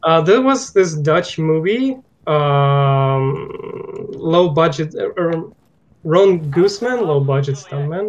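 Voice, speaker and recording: A man with a Russian accent talks at a very slow pace, his fairly high voice carrying lively intonation. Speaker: game mod creator. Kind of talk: casual livestream chat while gaming. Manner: halting.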